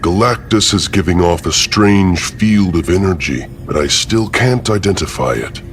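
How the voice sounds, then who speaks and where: A measured, analytical male scientist, as a narrator puts him on, low-voiced and a little distant from the mic. Faint noise lies under it. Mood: puzzled.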